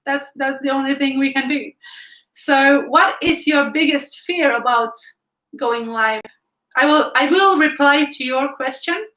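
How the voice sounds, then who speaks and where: A woman's voice: high-pitched, bright, forceful tone, reverberant, poor audio. A young woman from Finland with a Finland Swedish accent, chatting casually on a live stream while painting and reading viewer comments aloud. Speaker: art livestream host. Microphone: camera filming from above.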